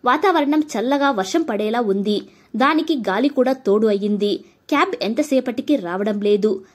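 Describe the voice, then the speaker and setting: A woman narrating an audiobook story in Telugu, told gently and evenly. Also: fairly high pitch, lively intonation, normal speed.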